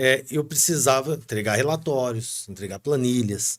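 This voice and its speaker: A man with medium pitch speaks using lively intonation. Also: very clean recording, silent background. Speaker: veterinarian. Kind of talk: interview. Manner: fast.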